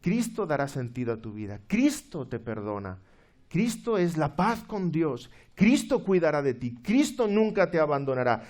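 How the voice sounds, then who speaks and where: A man's voice: on the high side, very animated, normal speed, darkish tone. A man voicing a boat's crew member who urgently calls a drowning man aboard and promises him safety, in a sermon illustration. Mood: urging inviting. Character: inviting male crew member calling from a boat.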